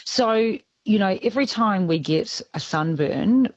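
Fifties woman from New Zealand, calm expert guest, dull-sounding remote line, dry. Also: mid-range voice, no room sound. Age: 50s. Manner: measured, explanatory, with ums. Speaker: dermatologist guest. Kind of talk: radio interview.

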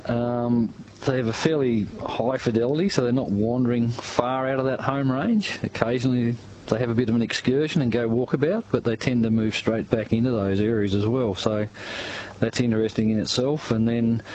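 A man in a radio news clip, explaining at a relaxed pace with a few fillers. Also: medium pitch, moderate pace, low-quality recording. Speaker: interviewee.

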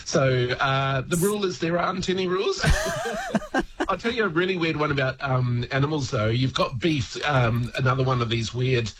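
A man's voice: on the high side, wildly swooping pitch, normal speed, fairly bright tone, slight background noise, poor audio. A man, a regular word expert on a radio show, chatting casually with lots of ums, restarts and laughs. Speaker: regular language guest on radio.

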